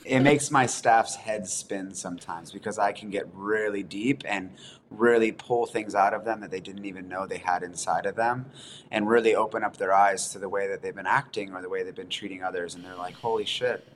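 A man in his thirties, a chef guest on a podcast, speaking calmly and earnestly in casual chat. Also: lowish voice, brisk, slight background noise. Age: 30s.

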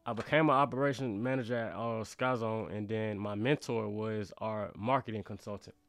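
A man's voice: lowish voice, steady tone, moderate pace, no echo. A young man with an African American accent telling stories in a casual, slangy, conversational way. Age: young adult. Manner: slangy, conversational, often says bro and you know what I'm saying. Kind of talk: casual storytelling chat.

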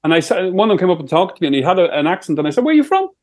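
A young Irish man co-hosting a podcast, telling stories in a sweary, animated way. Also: sits high, very fast. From Ireland. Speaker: podcast co-host. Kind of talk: casual chat.

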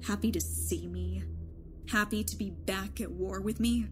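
A woman's voice: mid-range voice, fairly even intonation, unhurried, over music, lightly acted. An actress in an audio drama playing a rejuvenated mother in a young woman's body, sardonic and defiant. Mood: bitter, challenging. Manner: sardonic, pointed.

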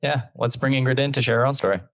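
A man hosts a podcast interview at an ordinary mid pitch. He welcomes the guest and asks his questions in a friendly, slightly halting way. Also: gravelly, a little hiss or hum. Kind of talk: casual interview.

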